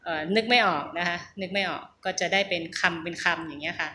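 A woman's voice: on the low side, fast, pushed and bright. A middle-aged Thai woman talking casually about practicing English, hesitant, repeating words and laughing at herself. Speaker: English learner sharing her practice. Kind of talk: casual vlog with pronunciation practice. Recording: echoey room with faint hum.

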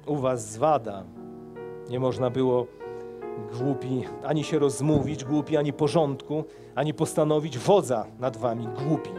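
A man doing a grim old nobleman, slow and scornful. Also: medium pitch, natural voice. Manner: slow, heavy, each word stressed. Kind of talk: dramatic poetry reading.

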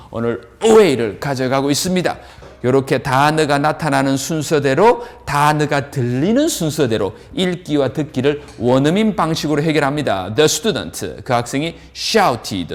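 A man teaching an English lesson, asking his students questions and answering them himself, drawing out the English words slowly as he models them. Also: a little high. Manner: animated, asks and answers his own questions. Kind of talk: lively classroom-style lesson.

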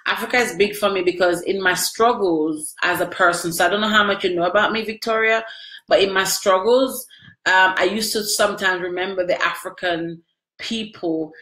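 A woman's voice: mid-range voice, steady tone, moderate pace, fairly bright tone. A middle-aged woman chatting live on a webcam at home, sniffly from crying, emotional and talking to viewers by name. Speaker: livestream host answering viewers. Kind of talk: casual live video chat. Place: small room at home, indoors. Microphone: webcam at close range. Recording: echoey room.

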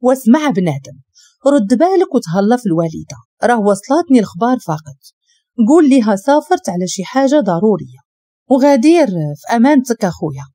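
A woman's voice: a little high, big pitch swings, quick pace, dark tone, no echo. A woman doing Sakhr, a cold Moroccan man giving short orders, dry close sound. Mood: calm. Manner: curt and commanding. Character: stern cold man, a suspect under arrest.

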